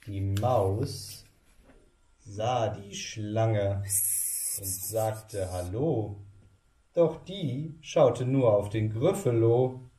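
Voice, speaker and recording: A male kindergarten teacher reading a picture book aloud to children, slow and deliberate. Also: on the low side, dark tone. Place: kindergarten room. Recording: roomy echo.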